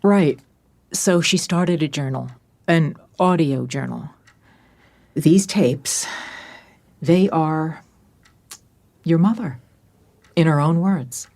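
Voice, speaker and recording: A woman playing a kindly middle-aged former therapist in an audio drama, gentle, effusive and a little hesitant, in naturalistic conversation. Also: sits low, slow pace, gravelly, pauses often, exaggerated voice. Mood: hesitant, confessing. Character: kindly older woman, former therapist, friend of a late mother.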